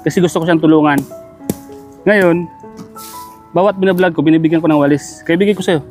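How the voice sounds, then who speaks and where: A fairly high-pitched man talks casually outdoors, kind and encouraging. He keeps checking in with quick, repeated little questions. Music plays clearly underneath the whole recording. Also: fairly even intonation, a little mellow. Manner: encouraging and kindly. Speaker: vlogger handing out gifts. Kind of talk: casual on-the-street chat. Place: outdoors on a sunny street.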